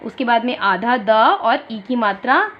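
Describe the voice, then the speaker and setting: Woman teacher doing an online class for little kids, high voice, drags out the sounds, kinda muffled lo-fi audio. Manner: slow drawn-out syllables, asks and answers her own questions. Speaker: primary school teacher. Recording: dull lo-fi sound.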